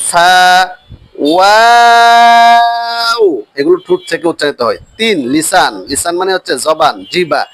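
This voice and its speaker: Man, high voice, dry close mic. Patient teacher who repeats himself and stretches letter names out. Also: fairly bright tone, no echo. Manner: slow and patient, repeats each point. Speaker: Quran teacher. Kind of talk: lesson on Arabic letters.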